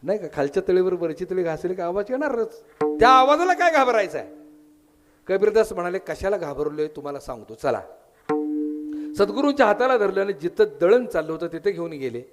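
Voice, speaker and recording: A man's voice: sits high, sing-song, fairly quick, music in the background. A man with a Marathi accent preaching a devotional kirtan sermon, telling a story, voicing its characters and breaking into sung verses. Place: temple hall with audience.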